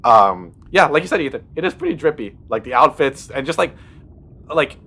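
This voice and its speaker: Male co-host, easygoing and wandering, mid-pitched voice. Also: sing-song, normal speed, sharp tone, slightly rough. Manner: meandering, many likes and ums. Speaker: podcast co-host. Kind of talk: casual movie chat.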